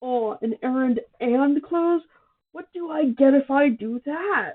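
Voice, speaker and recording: Putting on a character voice, a woman drawls at a fairly slow pace in a high pitch. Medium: read story. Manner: lazy, drawling.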